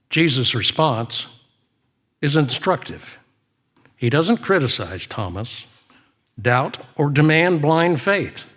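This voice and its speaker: Man, church service leader. Medium pitch, unhurried, measured delivery with plenty of pauses. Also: fairly bright tone. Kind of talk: church announcements and devotional reading.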